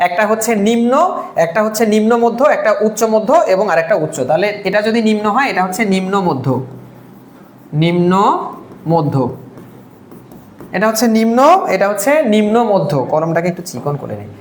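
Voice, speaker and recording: Woman teacher for a live exam-prep stream, rapid delivery, repeats key terms, roomy echo. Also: mid-range voice, expressive, darkish tone, slight background noise. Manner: repetitive drilling, asks and answers own questions.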